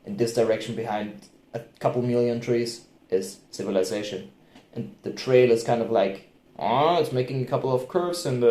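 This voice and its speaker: A man's voice: mid-range voice, mellow. A man telling a personal story in a casual, rambling way, acting out his own thoughts and swearing casually. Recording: echoey, roomy sound.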